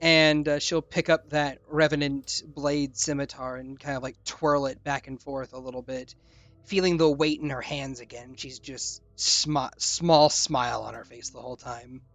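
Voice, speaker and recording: A game master narrating a tabletop game in an animated, rambling way with many fillers. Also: mid-range voice, unhurried.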